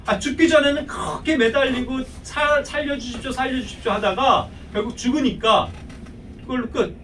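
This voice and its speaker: A man preaching a sermon in an animated style, asking the congregation rhetorical questions and acting out prayers. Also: extremely high pitch, normal speed, far from the mic, slight background noise, poor audio.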